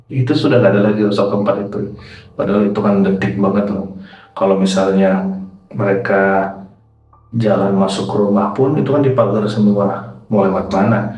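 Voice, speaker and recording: A man's voice: lowish voice, a little mellow, far from the mic. A man telling a personal ghost encounter in a casual, chatty way, rambling with fillers and repeated words. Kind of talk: casual first-person horror storytelling. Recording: echoey room, set back from the mic, faint music underneath.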